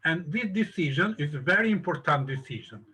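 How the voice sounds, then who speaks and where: A man hosting an online video-call interview, with a high and bright but husky voice. He speaks slowly, in broken, halting phrases. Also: expressive, poor audio. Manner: slow, broken phrasing, non-native. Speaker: interview host.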